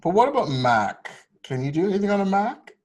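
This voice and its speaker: A man's voice: sits high, big pitch swings, a little fast. A man coaching and hosting a casual call, asking questions in a friendly, joking way. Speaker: coach and host. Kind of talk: casual video call discussion.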